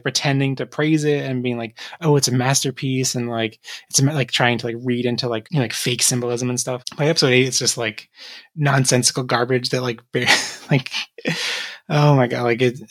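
Rambling young woman chatting casually. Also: very deep voice. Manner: rambling, lots of filler words, laughs often. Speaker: podcast co-host. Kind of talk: casual chat.

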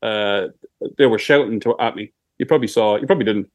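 A young Irish man co-hosting a podcast, telling stories in a sweary, animated way. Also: on the low side, fast, dull audio. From Ireland. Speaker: podcast co-host. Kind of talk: casual chat.

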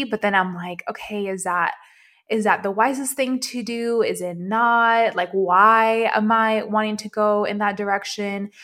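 A woman's voice: medium pitch, a bit bright. A young woman co-hosts a casual chat podcast. She is from Venezuela and talks in a reflective, thinking-aloud way as she works things out. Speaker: podcast co-host.

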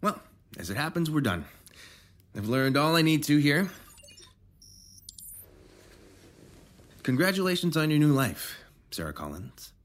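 An actor playing a probing, officious rejuvenation officer in an audio drama, measured and insinuating. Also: male voice, a little high, sing-song. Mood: probing, smug.

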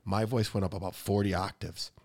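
A deep-voiced man hosting a podcast, an eager, effusive talker in casual chat. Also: fairly even intonation, brisk, darkish tone. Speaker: podcast host.

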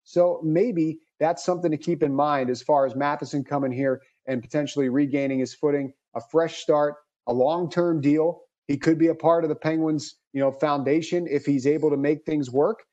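A man hosting a sports podcast, delivering measured, analytical narration. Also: fairly high pitch, fairly even intonation, warm tone, highs cut off. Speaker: podcast host.

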